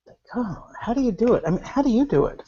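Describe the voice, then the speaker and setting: A woman's voice: a little high, expressive, fast, warm tone, slightly rough, lo-fi sound. A woman talking casually in a spiritual conversation, telling a story with lots of laughter and animation. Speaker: satsang participant.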